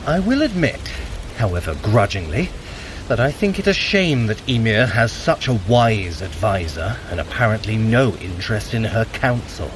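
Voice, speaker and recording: An actor playing a wry, haughty trickster god in an audio drama, speaking with dry sarcasm and formal, eloquent phrasing. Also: male voice, lowish voice, lively intonation, normal speed, noisy background, lightly acted. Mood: sardonic, grudging.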